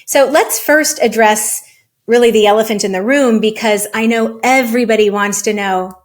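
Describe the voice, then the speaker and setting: A woman hosting a podcast interview, posing measured, scripted questions with casual asides. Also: fairly high pitch. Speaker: podcast host.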